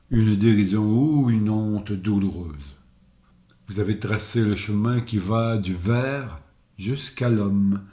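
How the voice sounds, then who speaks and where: A man voicing a solitary male prophet who preaches to a crowd, declaiming slowly. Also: on the low side, mellow. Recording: roomy echo.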